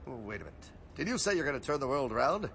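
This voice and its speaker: A man's voice: medium pitch, sing-song, fast, gravelly, fairly bright tone, slight background noise. An actor playing a pompous, self-assured male superhero who talks in an over-articulate way. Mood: heroic bluster. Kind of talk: comedy audio drama.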